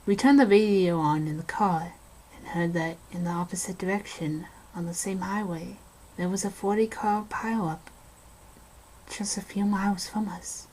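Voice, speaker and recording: A woman's voice: on the low side, steady tone, normal speed, darkish tone, breathy edge, poor audio. A woman narrator reading a first-person scary story as a scripted narration.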